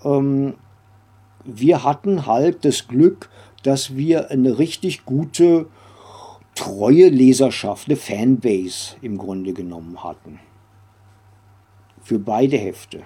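Interview guest: older male, mellow, husky voice, halting conversational recall with frequent tag questions. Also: mid-range voice. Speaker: interview guest, former comics publisher and editor.

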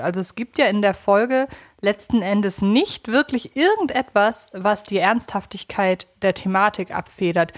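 Female podcast host, mid-range voice, conversational talk. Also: mid-range voice.

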